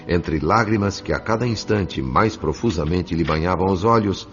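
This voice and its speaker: A Brazilian man narrating a scripted radio drama audiobook in a theatrical, solemn manner with deliberate phrasing. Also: deep voice, a bit bright. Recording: slightly dull sound, music bed underneath.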